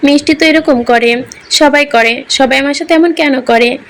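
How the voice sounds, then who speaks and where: A woman's voice: high voice, normal speed. A woman reading the lines of a grief-stricken young father who lashes out in bitter accusations, in a romantic story reading. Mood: frantic.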